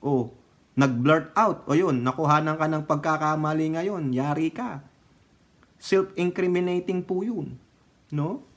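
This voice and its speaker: A Filipino man giving casual political commentary, chatty and teasing, laughing often and dropping from loud remarks to low asides. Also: unhurried. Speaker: political vlogger.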